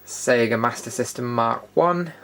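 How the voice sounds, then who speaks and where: At a slightly slow pace, a British man with a medium-pitched, fairly bright voice hosts an informal video tour without a script. He sounds matter-of-fact and drily opinionated while showing things off in an indoor studio room, and background noise is noticeable throughout.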